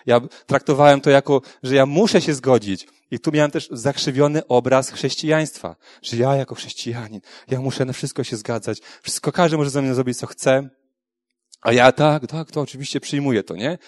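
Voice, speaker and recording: A man's voice: medium pitch, normal speed, no room sound. A man giving a frank, earnest personal testimony about faith, talking conversationally with frequent tag questions and restarts.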